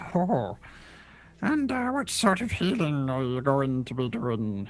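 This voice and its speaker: A man puts on a character voice at medium pitch. He speaks at a fairly slow pace. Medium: actual play. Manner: chatty, warm, fussy with questions.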